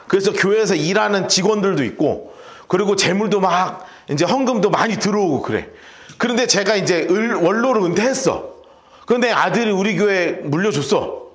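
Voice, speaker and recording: A male pastor giving a Bible study sermon in a church, casual and colloquial, often acting out little scenes. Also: high-pitched. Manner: lively, colloquial, acts out scenes.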